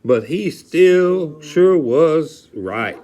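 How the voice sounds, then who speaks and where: Slow-paced man reading a storybook aloud, very animated. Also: on the high side. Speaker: storyteller reading a children's book aloud with a partner.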